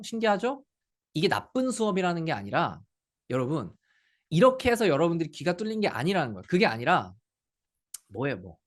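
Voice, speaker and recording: A man in his thirties lectures on learning English, his voice swinging lively up and down as he asks the viewers question after question. He teases other teachers' methods in a playful way and keeps speaking directly to the audience. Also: sits high. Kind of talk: animated lecture.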